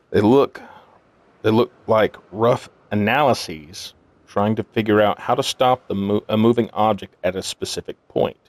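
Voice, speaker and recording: A sleep-deprived man thinking aloud as he plays a puzzle game, muttering haltingly to himself in casual commentary. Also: lowish voice, no echo. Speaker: gaming video host. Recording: music behind the voice. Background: game music.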